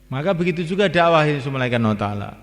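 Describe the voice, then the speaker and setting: A man's voice: a little high, animated, very fast, fairly bright tone. A man preaching to a gathering, repeating his points with emphasis and sometimes chanting lines from the call to prayer. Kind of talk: religious talk to a gathering. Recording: long reverb hall.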